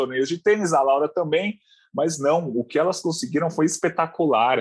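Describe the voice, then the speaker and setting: A man's normal speaking voice, fairly high in pitch, with ordinary pitch variation and a moderate pace. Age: 30s. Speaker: sports journalist, co-host. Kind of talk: casual chat.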